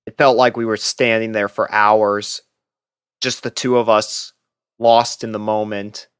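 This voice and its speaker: A man narrating a first-person romantic fan fiction story from a script in a measured, earnest way. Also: fairly low pitch, level tone, clean tone, no room sound, studio quality.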